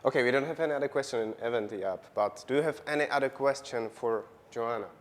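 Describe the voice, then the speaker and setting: A man's voice: mid-range voice, fast. A man acting as conference moderator, passing on audience questions to a speaker. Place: conference stage.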